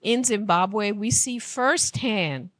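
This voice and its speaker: A woman from Liberia giving an earnest, emphatic speech at an event, speaking slowly. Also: medium pitch, fairly bright tone. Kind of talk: formal public speech. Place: conference room.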